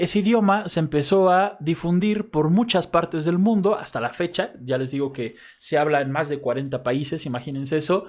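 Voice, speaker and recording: A man with a Mexico City accent lecturing to his class as a university professor. His voice sits a little high for a man, and he explains step by step. He keeps pausing to check in with quick tag questions. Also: darkish tone. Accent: Mexico City Spanish.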